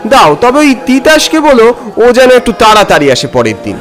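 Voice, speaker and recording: A man voicing a confident, dismissive veteran film director with a brisk, commanding manner in an animated horror story. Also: very high voice, soft background music, voice pushed up, exaggerated voice.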